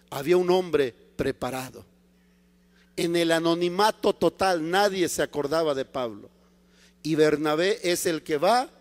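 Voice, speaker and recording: A man preaching a sermon as pastor, dramatic, often dropping to a low, quiet emphasis. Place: church. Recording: long church reverb.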